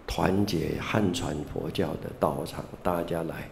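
A man's voice: sits low, vocal fry, a little hiss or hum. A man, a Buddhist monk giving a classroom lecture, telling stories and stretching out filler particles. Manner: storytelling, drawn-out filler particles.

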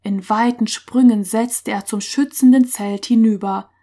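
A woman storyteller giving a measured, expressive scripted narration of a Christian story for children. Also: fairly high pitch.

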